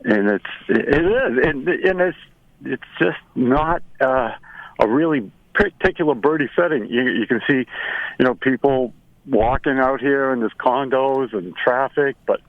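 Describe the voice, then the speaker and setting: A man's voice: medium pitch, unhurried, no room sound, muffled recording. A middle-aged or older man giving a chatty, folksy, casual birding report for radio by phone from inside a car. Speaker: birding correspondent.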